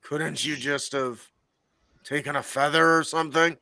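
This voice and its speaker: A man voicing a curt, gruff male frost orc leader in a deep voice for a tabletop game. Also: steady tone, moderate pace, pushed and bright, no room sound, clean studio sound.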